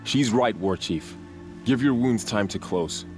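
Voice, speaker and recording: A man's voice: fairly low pitch, measured pace, natural voice. An actor playing a devoted young male tribal warrior in a video game, speaking earnestly, solemnly and formally. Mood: earnest, pleading. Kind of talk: dramatic video game acting. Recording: faint music behind the voice.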